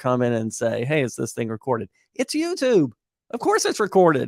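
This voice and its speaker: A man with a Southern US accent and a fairly high pitch, in a dry, close sound with no echo. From US South. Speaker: developer advocate, webinar host. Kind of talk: live webinar hosting. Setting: live stream. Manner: conversational.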